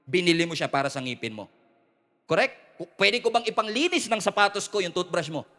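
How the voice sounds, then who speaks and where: A man preaching a lively sermon to his church. He mixes Tagalog and English, jokes with the crowd and calls for amens. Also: high voice, fairly quick. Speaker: pastor. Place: large church hall with a live congregation. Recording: long hall reverb from a church.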